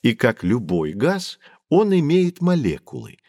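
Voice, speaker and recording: Patient professor, lecturing tone, varied pitch, dry recording. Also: male voice, unhurried, dry recording. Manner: calm, lecturing explanations. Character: patient explaining male professor. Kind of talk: children's audio drama.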